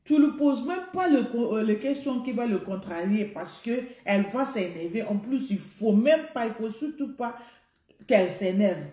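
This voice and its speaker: A woman's voice: fairly high pitch, lively intonation, normal speed, warm tone. A woman giving a humorous advice monologue to the camera, emphatic and repeating her points as she speaks directly to the listener. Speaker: vlogger. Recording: roomy echo.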